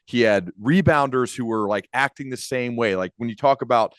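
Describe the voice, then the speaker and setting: Guy hosting a casual podcast, medium pitch, earnest n into it, really dry close sound. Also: moderate pace, no echo. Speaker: podcast host interviewer. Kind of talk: casual conversational interview.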